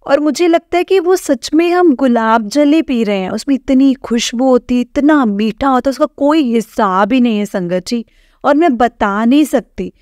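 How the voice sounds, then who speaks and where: A woman sharing a devotional testimony with a congregation, earnest and halting, with many fillers and restarts. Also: high-pitched, darkish tone, dry recording, studio quality. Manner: earnest, keeps addressing listeners as "sangat ji".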